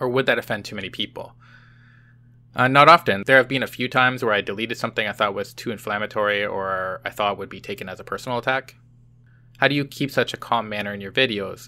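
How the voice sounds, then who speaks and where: Over a very clean recording with a silent background, a man speaks very fast in a bright, sharp tone, with ordinary pitch variation and big swings in loudness. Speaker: atheist YouTuber. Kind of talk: Q&A reading and answering viewer questions. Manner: soft-spoken.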